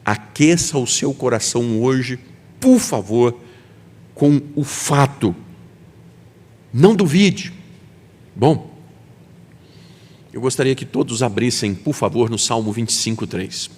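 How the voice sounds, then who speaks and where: A man's voice: medium pitch, unhurried, long pauses, darkish tone. A man with a Brazilian Portuguese accent, preaching a sermon as pastor and acting out quoted voices. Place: church sanctuary. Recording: long hall reverb.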